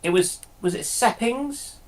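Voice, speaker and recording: A man's voice: sits high, lively intonation, measured pace, darkish tone. A man speaking as a panelist in a casual, unscripted discussion.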